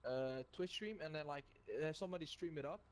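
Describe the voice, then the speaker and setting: Fast-talking man coaching on a voice call. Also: a little high, smooth. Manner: friendly, fast, lots of fillers.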